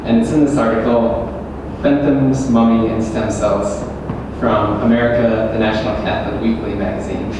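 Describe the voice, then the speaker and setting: A young adult man, a student debater, posing measured leading questions with hesitant fillers. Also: lowish voice, little pitch movement. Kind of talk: formal debate, cross-examination. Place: large echoey university hall. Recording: echoey hall, distant mic, background noise.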